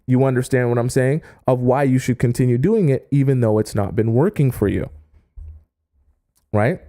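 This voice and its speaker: A man giving dating advice on a livestream, stressing key points with deliberate pauses and reading viewer chat aloud. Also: medium pitch, dark tone. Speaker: dating coach.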